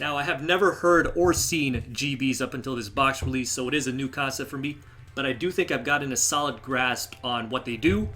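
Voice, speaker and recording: Over background music, a man talks at a fairly quick pace in a medium pitch with ordinary pitch variation. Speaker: gaming youtuber. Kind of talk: gameplay tutorial. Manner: fast.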